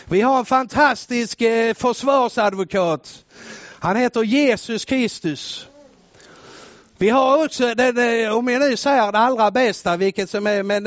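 A man preaching a sermon with fervor, rising to shouts and dropping to quiet storytelling. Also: high-pitched, no room sound, dull audio. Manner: fervent, builds to shouts, then drops to quiet storytelling.

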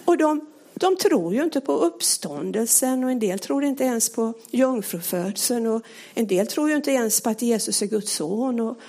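Woman preaching, husky voice, earnest, keeps going quiet and whispery. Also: a little high, animated. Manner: earnest, pleading, often dropping to a hushed whisper. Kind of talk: sermon.

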